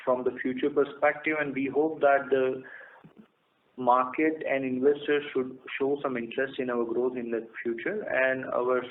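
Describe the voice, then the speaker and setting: An Indian man, a company executive, giving formal, measured answers to investors on a conference call. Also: mid-range voice, level tone. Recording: muffled phone line with clear noise.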